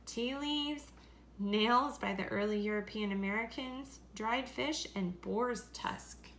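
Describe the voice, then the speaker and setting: A woman reading a children's story aloud in a deliberate, expressive way. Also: fairly high pitch, a little hiss or hum. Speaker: story reader.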